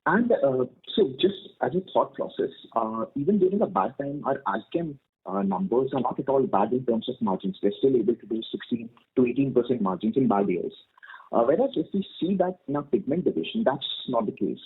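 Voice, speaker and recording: Male investor caller, Indian accent, slightly rough voice with lively intonation, polite hesitant questions, thin telephone audio. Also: medium pitch, brisk. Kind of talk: earnings call questioning. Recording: muffled narrowband phone line.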